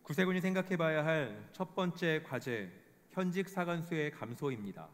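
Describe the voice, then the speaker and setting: Formal man reading a report, higher voice. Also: animated. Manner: formal, measured reading of statistics. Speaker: presenter of a report. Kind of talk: scripted report narration. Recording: long hall reverb.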